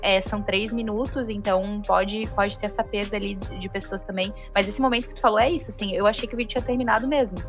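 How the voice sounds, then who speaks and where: Brazilian woman co-reviewer, chats fast and casual, music clearly behind her. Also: mid-range voice, fairly even intonation. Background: background music.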